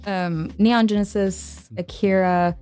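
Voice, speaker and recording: A woman's voice: medium pitch, fairly even intonation, takes it slowly, warm tone, smooth, soft background music. A woman chatting casually on a podcast, hesitant and thinking aloud as she talks. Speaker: podcast guest, anime voice actor.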